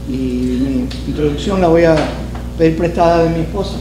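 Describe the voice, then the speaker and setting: A man's voice: on the high side, roomy sound, noisy background. A man from Cuba, teaching a Bible study to a congregation, repeating key phrases and asking them questions. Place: church sanctuary.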